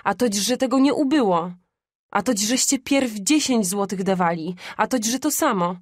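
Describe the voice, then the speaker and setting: A woman's voice: medium pitch, moderate pace, no room sound, clean studio sound, natural voice. A woman doing a sick, furious poor mother. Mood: pleading. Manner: trembling with anger, then faint and exhausted. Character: sick, desperate poor mother, bitter and angry.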